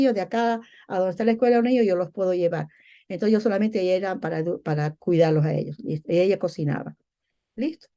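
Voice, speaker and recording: Warm-voiced woman sharing a faith testimony. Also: mid-range voice. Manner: heartfelt storytelling, acting out remembered conversations. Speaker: church member giving a testimony.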